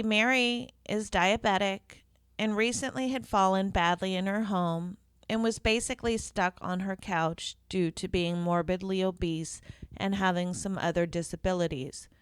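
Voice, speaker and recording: A woman, a professional organizer, hosting her own podcast and telling stories in a conversational, deliberate way with occasional fillers. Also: mid-range voice, a bit bright, smooth, dry recording. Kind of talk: solo podcast storytelling.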